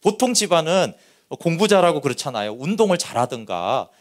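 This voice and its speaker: Male pastor preaching with a lively, rising-and-falling delivery; questions the congregation often. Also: on the high side, fairly quick. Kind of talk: Sunday sermon.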